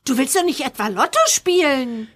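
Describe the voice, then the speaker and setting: A woman's voice: high voice, animated, moderate pace, fairly bright tone. An actress playing a pert young witch girl, a teasing daughter, in a children's audio drama.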